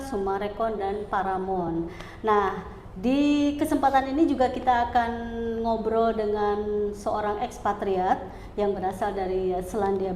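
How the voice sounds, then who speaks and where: A woman's voice: on the high side, a little mellow. A woman hosting a podcast, chatty and upbeat as she introduces the episode and asks her guest questions. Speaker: podcast host. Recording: echoey room with long reverb and faint hiss.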